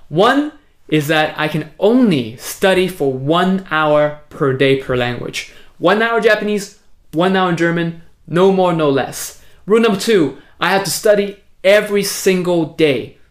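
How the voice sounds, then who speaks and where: A man in his thirties, born in Hong Kong and raised in California, giving an upbeat, casual video update to camera. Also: fairly high pitch. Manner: upbeat and energetic, punchy emphasis on key words. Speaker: vlogger on a language challenge.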